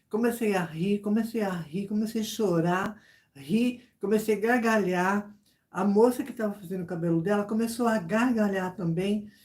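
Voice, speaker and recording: Woman, casual YouTube storyteller, mellow and warm, lively retelling, lots of asides. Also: medium pitch. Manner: animated, repeats phrases, many "sabe?" asides. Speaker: YouTuber chatting with subscribers.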